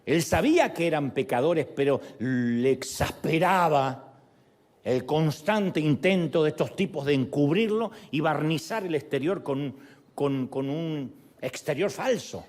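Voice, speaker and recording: A man's voice: a little high, expressive, a little slow, darkish tone. A middle-aged man preaching a sermon as a pastor, acting out quotes dramatically and slipping in jokes.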